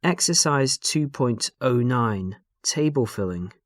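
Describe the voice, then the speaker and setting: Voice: medium pitch, no echo, studio quality. An announcer reading exercise numbers in a lesson recording. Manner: slow, flat announcing. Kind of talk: scripted announcement.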